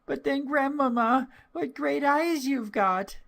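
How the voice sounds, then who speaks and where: A man putting on a high, innocent little girl. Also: takes it slowly, gravelly, fairly bright tone, exaggerated voice. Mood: wondering. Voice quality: high, sing-song childlike voice. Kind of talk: storybook reading.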